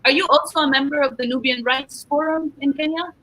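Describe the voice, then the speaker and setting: Female panel host, bright and forceful, slightly high. Reads viewer comments, firm when correcting. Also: steady tone, brisk, rough recording. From Sudan, grew up in Egypt. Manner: reads out viewer comments, then answers them. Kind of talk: live online panel moderation.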